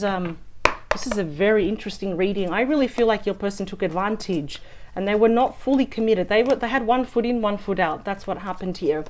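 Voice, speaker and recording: A woman with a husky, slightly weak voice as she gets over a sore throat, reading tarot cards. She talks in a chatty way, thinking aloud and often checking in with "right?". Her pitch sits in an ordinary middle range. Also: a little mellow, slight background noise. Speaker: tarot reader. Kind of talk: weekly tarot card reading.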